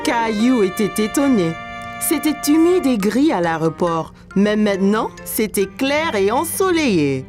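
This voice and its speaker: A woman narrating a children's cartoon in a gentle storybook manner. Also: medium pitch, very animated, measured pace, over music.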